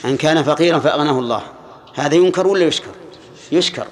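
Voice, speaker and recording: An older man giving a classroom lesson on Islamic law, speaking in measured phrases and questioning his students. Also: fairly high pitch. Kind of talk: classroom lecture on hadith.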